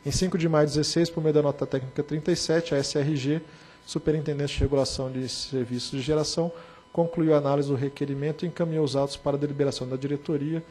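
Slightly husky Brazilian official reading. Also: male voice, a little high, fairly even intonation, darkish tone. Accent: Brazilian Portuguese. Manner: measured and formal, with short spoken asides. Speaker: reporting director at a regulatory board. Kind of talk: reading a formal case report.

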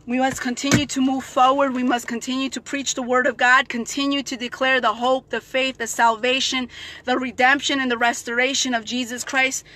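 A woman's voice: high voice, level tone, brisk, pushed and bright, a little hiss or hum. Fervent woman preaching from her car. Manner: fervent, repeats praise phrases, addresses viewers as friends. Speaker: street evangelist vlogger. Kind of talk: casual vlog, preachy exhortation. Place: inside a parked car. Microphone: phone held at arm's length.

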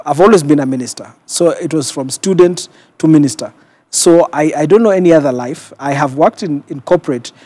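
A middle-aged man with a Kenyan accent and a voice a little higher than average. He is a pastor telling his own story in a television studio interview, reflective and measured, pausing as he goes. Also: dark tone, no room sound. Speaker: guest, senior pastor. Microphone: lapel mic.

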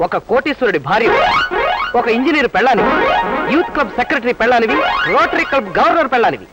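Teasing exasperated husband, high pitch, fast, bright tone. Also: male voice, expressive, muffled recording. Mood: coaxing. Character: rich frustrated young husband, playful. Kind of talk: film comedy acting.

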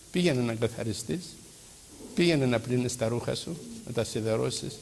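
A man's voice: medium pitch, gravelly, a little mellow. An older man, a priest giving a fervent sermon full of rhetorical questions. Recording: hall reverb with faint background noise.

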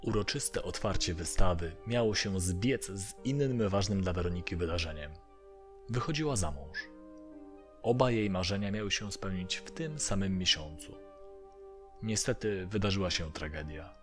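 A man's voice: deep voice, moderate pace, soft background music. A man narrating a first-person horror story from a script. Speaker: narrator of audio horror stories.

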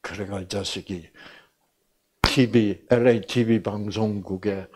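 A man's voice: a little slow, slightly rough. An older man giving a Bible lecture, telling a family story and acting out the quoted voices with big swings. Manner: animated, acts out quotes with big pitch jumps.

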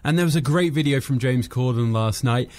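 A man's voice: medium pitch, a little fast, darkish tone, dry recording. A young man hosting afternoon music radio with upbeat DJ links, speaking close to a studio microphone. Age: young adult. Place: small padded radio studio. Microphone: close studio microphone on boom arm. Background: music bed.

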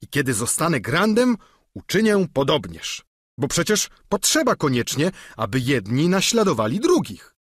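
Guy doing a peasant squire in an audiobook, husky, eager, exclaims a lot. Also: a little high, huge pitch swings, moderate pace, no room sound, clean studio sound, voice pushed up, heavily acted. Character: plain-spoken peasant squire, middle-aged man. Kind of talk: audiobook character reading.

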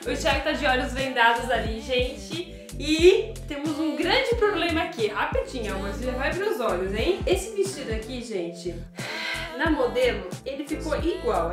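Chatty high-pitched woman vlogger from Brazil, casual home chat. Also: big pitch swings, moderate pace, over music. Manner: chatty, keeps asking the viewers "right?". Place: home in Italy, indoors.

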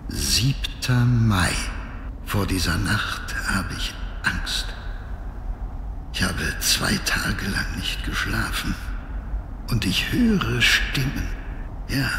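An actor playing a troubled, scholarly diarist in a horror adventure game, speaking in a solemn, formal, dramatic manner. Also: male voice, lowish voice, sharp tone, heavily acted. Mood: anguished. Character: troubled scholarly male diarist, obsessed and fearful. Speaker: game character reading a diary. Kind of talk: dramatic scripted narration. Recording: echoey hall reverb, background noise.

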